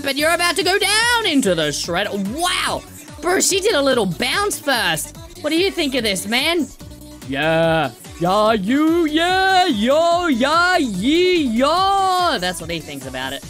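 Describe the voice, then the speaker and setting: A woman doing playful let's-play commentary, excitable, exclaiming often and talking to the game characters. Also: sits high. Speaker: gameplay commentator.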